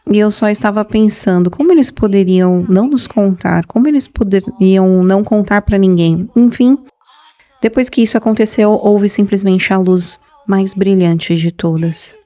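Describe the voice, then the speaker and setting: Earnest woman with a warm, mellow voice. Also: mid-range voice, moderate pace, no room sound, muffled recording. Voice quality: earnest, self-described shy. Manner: emotional, repetitive, confessional. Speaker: Christian video creator. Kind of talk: personal testimony to camera. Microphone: camera mic.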